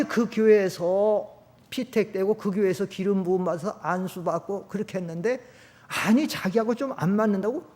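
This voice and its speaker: Older male pastor preaching with high pitch. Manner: conversational preaching, rising to loud emphatic peaks, drops low for stories. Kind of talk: sermon. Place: church sanctuary.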